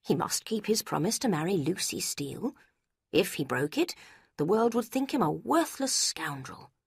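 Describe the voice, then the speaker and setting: A forthright older lady from an audiobook, as a woman narrator reads her. She states her view plainly and emphatically. The voice is husky and low-set. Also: very animated, moderate pace, dry recording, studio quality, full character voice. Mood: emphatic.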